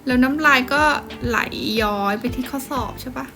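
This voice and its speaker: A woman's voice: high-pitched, normal speed, over music. A woman joining a casual chat as guest, asking short, curious questions. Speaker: guest co-host.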